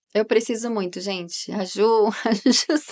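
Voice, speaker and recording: A woman's fairly high voice, dry and close with no echo. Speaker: podcast co-host. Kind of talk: casual chat.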